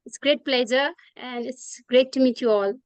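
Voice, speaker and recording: A woman from Nepal speaks hesitantly on a video call, filling her pauses with many "um"s. Her voice is smooth and fairly high. The sound is dry and close. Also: no echo. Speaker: first-time meeting guest. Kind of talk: casual online meeting comments.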